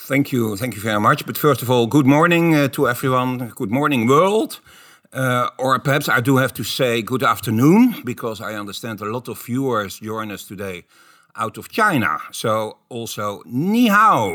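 With a Dutch accent, a man talks at a moderate pace, medium in pitch and lively in intonation. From Netherlands, The Hague. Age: 60s. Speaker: business board chairman. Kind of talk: webinar panel talk. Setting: video call. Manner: halting.

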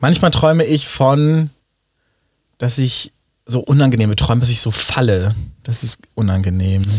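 Moderate pace, somewhat breathy, with lively intonation and long, frequent pauses. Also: man, medium pitch for a man. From North Rhine-Westphalia, Germany. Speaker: podcast co-host. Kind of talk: casual chat.

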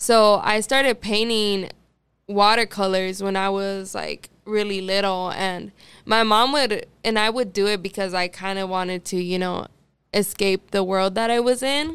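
Very clean recording of a woman at medium pitch, fairly slow and fairly even in intonation, against a silent background. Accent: Spanish. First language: Spanish. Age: 20s. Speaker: artist. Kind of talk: casual chat. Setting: studio.

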